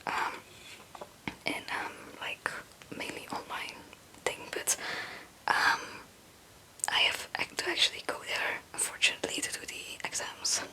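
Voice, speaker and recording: A young woman from Belgium, a non-native English speaker, whispering a casual, hesitant and meandering ASMR chat in a breathy voice. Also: measured pace, pushed and bright, low-quality recording. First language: not English. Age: young adult. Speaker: ASMR video creator.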